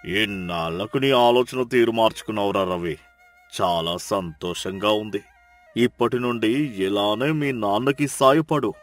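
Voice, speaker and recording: A man's voice: on the low side, a little slow, soft background music, lightly acted. A man voicing a proud, encouraging older village farmer who gives advice in a storybook tale. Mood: pleased. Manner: encouraging, advising. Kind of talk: storybook character dialogue.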